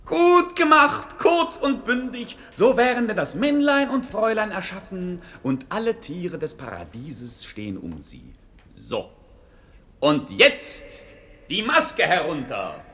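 An actor playing an idle, mocking court fool with theatrical, mock-solemn grand airs in a radio play. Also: male voice, sits high, sing-song, slow, sharp tone, exaggerated voice. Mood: gleeful, proclaiming. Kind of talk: classic German radio play acting.

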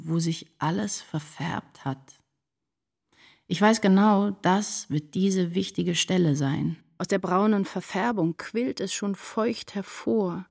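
A woman's voice: on the low side, gravelly, warm tone. An actress playing an anguished woman writer in a literary radio drama, intense and introspective in a poetic delivery. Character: anguished, brooding woman writer losing her sense of self.

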